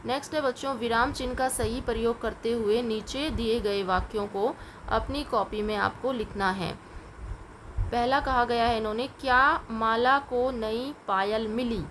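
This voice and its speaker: A woman teacher going through a lesson with children, dictating answers slowly and patiently. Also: a little high, steady tone, slight background noise, low-quality recording. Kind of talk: online class lesson.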